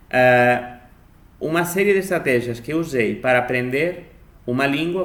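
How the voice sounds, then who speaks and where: A man delivers an explanatory lecture in an echoing room. His voice sits at a middling pitch with a gravelly, creaky edge. He teaches didactically, putting rhetorical questions to his listeners. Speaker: language lecturer. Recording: roomy, echoing room sound.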